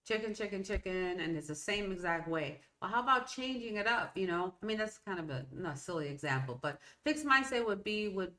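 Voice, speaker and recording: A woman's voice: mid-range voice, animated, a little fast, few pauses, pushed and bright. Woman host, middle-aged, Spanish-speaking background, conversational, tangents, keeps asking "okay?". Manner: rambling, conversational, self-interrupting with "okay?" and "right?". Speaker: podcast host. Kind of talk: solo motivational talk.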